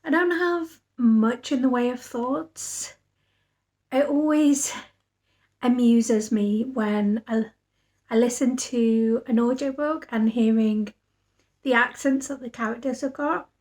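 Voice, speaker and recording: A woman's voice: a little high, steady tone, slow, a little mellow. A tired woman book vlogger chatting casually after reading all night, rambling and thinking aloud. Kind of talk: casual vlog chat.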